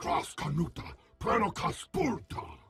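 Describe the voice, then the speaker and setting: A man growls in a put-on character voice. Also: moderate pace. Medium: video game. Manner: speaks an alien language.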